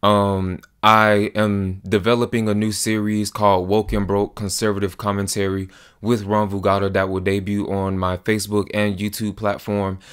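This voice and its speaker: Earnest young man, lowish voice. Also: monotone, normal speed, a bit bright, clean tone. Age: 20s. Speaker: vlogger. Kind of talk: personal to-camera monologue.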